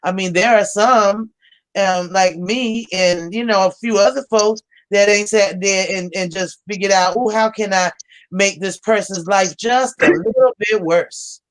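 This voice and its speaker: A woman's voice: mid-range voice, measured pace, dry recording. Earnest American woman, close dry sound. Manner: earnest, conciliatory. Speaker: host of a live panel chat. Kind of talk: casual chat.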